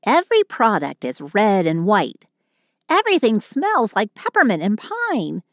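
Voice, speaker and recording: A woman's voice: medium pitch, huge pitch swings, unhurried, no room sound, clean studio sound. A woman voicing a sweet but sulky Christmas elf who vents to a partner in a dramatic, sardonic yet affectionate scripted audio roleplay. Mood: exasperated, sulky.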